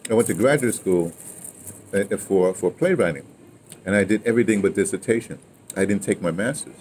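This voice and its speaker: A man's voice: lowish voice, a little fast, darkish tone. An older American man telling stories casually in conversation, emphatic and digressive, often repeating his words. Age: older, 60s or 70s. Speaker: interviewer and former radio dramatist telling his own history. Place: outdoor patio at a table. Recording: noisy outdoor restaurant ambience.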